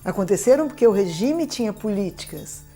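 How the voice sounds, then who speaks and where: A Brazilian woman explains in interview style with a dark, relaxed voice. Faint music plays behind her. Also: mid-range voice, a little fast. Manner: explanatory, checks with listener. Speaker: expert commentator.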